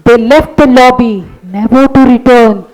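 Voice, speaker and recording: A woman's voice: a little high, unhurried, a little mellow, close to an everyday voice, rough recording. A woman reading an anxious, imaginative, literal-minded character in a staged play, questioning and precise. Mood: matter-of-fact.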